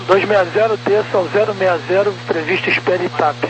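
A man's voice: high voice, steady tone, a little fast. A man working as an air traffic controller, giving clipped procedural instructions over crackly, military-style radio. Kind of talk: aviation radio communication. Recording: noisy humming control radio.

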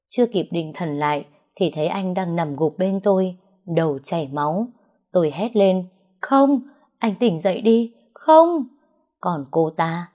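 A woman's voice: on the low side, lo-fi sound. A woman narrating a dramatic story and reading every character's lines herself with small shifts in her voice.

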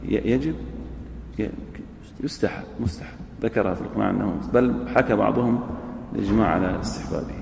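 A man teaches a class in a large hall with a long, ringing echo and faint room noise behind him. His voice is gravelly and dark. He reads a line from a text, says it again, then puts questions to his students. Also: on the low side, quick pace. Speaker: teacher of Islamic jurisprudence. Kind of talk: classroom lecture on a legal text. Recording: echoey hall recording with faint ambience.

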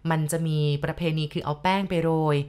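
A woman tells a ghost story in a slightly low, steady voice. She speaks politely and turns to address her listeners directly as she recounts the events. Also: brisk.

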